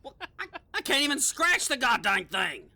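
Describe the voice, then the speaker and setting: A woman's voice: high-pitched, big pitch swings, moderate pace, sharp tone, full character voice. A woman playing a hot-tempered, petulant male vampire in an audio drama, cursing with explosive indignation. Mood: furious. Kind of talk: audio drama comedy acting.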